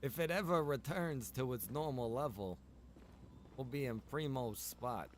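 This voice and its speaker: A man's voice: medium pitch, a little slow, slight background noise. A man giving casual gameplay commentary, often muttering to himself as he plays. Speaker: streamer playing a survival roleplay game.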